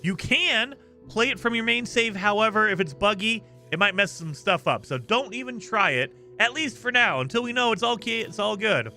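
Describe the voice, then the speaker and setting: This man streams a game live with a high, expressive voice, talking at normal speed with hardly any pauses in a bright, forceful tone. He's upbeat and chatty, thanking viewers by name and explaining the rules, his voice a little scratchy from days of streaming. Faint music plays behind his casual stream chat and gameplay commentary.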